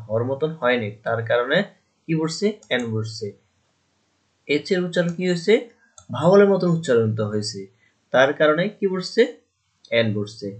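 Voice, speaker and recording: A medium-pitched man from Bangladesh teaches students a grammar lesson. He keeps posing questions and answering them himself, and he goes over the key points repeatedly.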